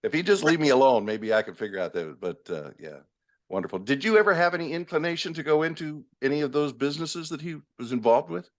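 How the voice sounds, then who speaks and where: A middle-aged man interviewing a guest, hesitant with frequent fillers and quiet affirmations. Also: fairly high pitch, sing-song, fast. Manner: soft backchannels, hesitant with fillers. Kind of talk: casual interview.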